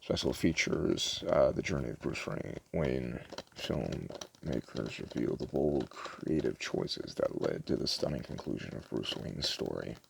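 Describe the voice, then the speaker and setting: A soft-spoken man doing a casual ASMR roleplay as a store clerk, chatting in a hesitant, rambling way. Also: extremely low pitch, lively intonation, a little slow, creaky, slight background noise.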